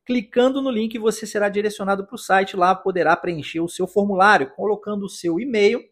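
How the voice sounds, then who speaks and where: A Brazilian man teaching an English lesson, upbeat, slowly drilling phrases for his listeners to repeat. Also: high-pitched, fairly bright tone. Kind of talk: English lesson for Portuguese speakers.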